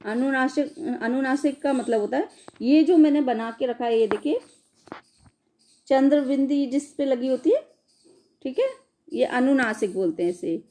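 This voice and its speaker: A woman's voice: high-pitched, moderate pace, pauses often, warm tone. A woman teacher giving an exam-prep lecture, explaining step by step and answering her own questions.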